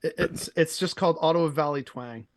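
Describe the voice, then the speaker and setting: Higher-voiced man, eager chatter. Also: brisk, dry recording. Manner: filler-heavy, enthusiastic. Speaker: podcast co-host. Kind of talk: casual chat.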